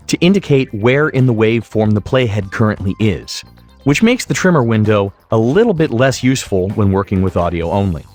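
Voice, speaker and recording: A man with a fairly low voice narrates a software lesson in a methodical, instructional manner. His pitch moves up and down in a lively way as he explains each step. It is a measured screen-recording voice-over.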